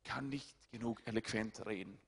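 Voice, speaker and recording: A male pastor, preaching a sermon and swinging between loud, high-pitched appeals and quiet, low asides. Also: normal speed, gravelly, husky. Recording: hall reverb.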